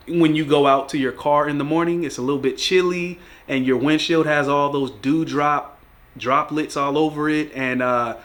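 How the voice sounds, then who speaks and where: A man's voice: medium pitch, a bit bright. A young man with a congested voice, recovering from a cold, chatting casually to his regular viewers in a laid-back, joking way. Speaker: plant vlogger. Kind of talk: casual video chat about plant care.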